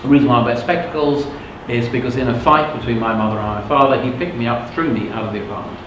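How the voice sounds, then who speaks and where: A man's voice: medium pitch, fast. Middle-aged man, native Russian speaker, motivational speaker, frank storytelling, heavy room echo, audible background noise. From England. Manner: frank and conversational, often checking if listeners follow. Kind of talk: personal storytelling to a live audience.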